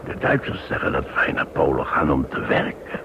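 A man's voice: rumbling low, big pitch swings, normal speed, full character voice. A man in a radio play acting an anxious, doubtful Jewish deportee, hesitant and questioning. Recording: dull old recording, clear noise.

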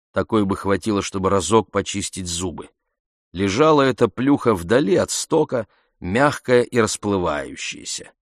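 A man narrating an audiobook in a measured, even storytelling manner into a close studio mic. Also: on the low side, no room sound.

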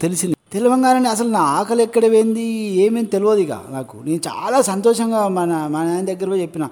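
A man's voice: high voice, expressive, brisk, a little mellow. A man with a Telangana Telugu accent, a guest in an interview, earnestly telling childhood stories and recounting dialogue. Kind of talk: storytelling in an interview.

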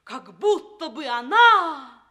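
An actress playing a passionate, scheming young princess in a theatrical, declamatory radio play style. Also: female voice, high-pitched, sing-song, bright, forceful tone, full character voice. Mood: scornful. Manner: declamatory, slow, dramatic. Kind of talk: theatrical Russian stage acting, radio play.

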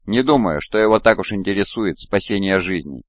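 A low-voiced man reads an arrogant, battle-scarred warrior in an audiobook, all mocking self-assurance. The voice sits deep and close, with a dry, slightly muffled sound. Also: expressive, brisk, no room sound. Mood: smug. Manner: smug, taunting.

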